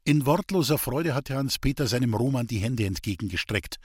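A man narrating a classic novel in a steady, measured audiobook reading. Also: medium pitch, slightly rough, no room sound, clean studio sound. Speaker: audiobook reader.

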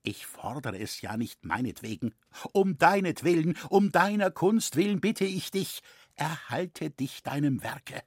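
A frantic old woodcarver, as a male reader puts him on, pleading with rising unease. His voice climbs above the reader's own and sounds slightly husky. It is dry and close, like a storybook reading. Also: fairly high pitch, very animated, unhurried, no echo, voice pushed up. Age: older. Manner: pleading, agitated.

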